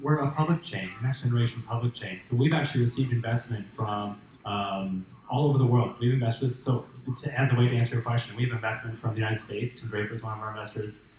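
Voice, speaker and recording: A man's voice: medium pitch, a little mellow, a little hiss or hum. Guy on a conference panel, sure of himself, really echoey room. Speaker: panelist, company CEO. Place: large conference hall. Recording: echoey hall.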